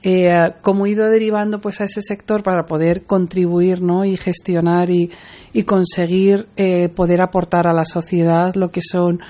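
A woman's voice: fairly low pitch, little pitch movement, moderate pace, warm tone. A woman in her forties from Madrid, answering interview questions earnestly with frequent hesitations and restarts. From Madrid, Spain. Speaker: guest, pharmaceutical executive. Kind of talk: interview conversation.

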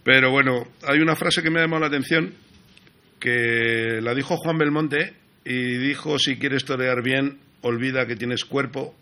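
A man's voice: medium pitch, fairly even intonation, normal speed, pushed and bright. A man co-hosting a radio show, chatting in a friendly, casual way. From Spain. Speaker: radio co-host.

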